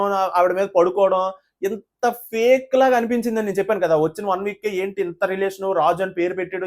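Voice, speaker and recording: A reality show reviewer giving casual commentary to the camera, indignant, full of rhetorical questions and direct appeals to viewers. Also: mid-range voice.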